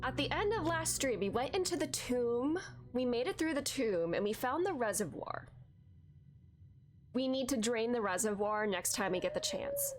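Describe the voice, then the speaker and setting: A woman's voice: on the high side, normal speed, slight background noise. A young woman streaming a game, chatting casually with viewers, with a congested voice and lots of filler likes. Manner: chatty, many filler likes, excited outbursts at finds. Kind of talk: casual gameplay chat with viewers.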